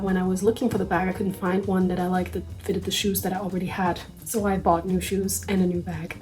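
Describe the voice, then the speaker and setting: A woman's voice: mid-range voice, a little mellow. Woman, slightly sick voice, chatty sewing-vlog narration, faint music behind. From Austria. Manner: chatty, self-deprecating asides. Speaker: sewing vlogger.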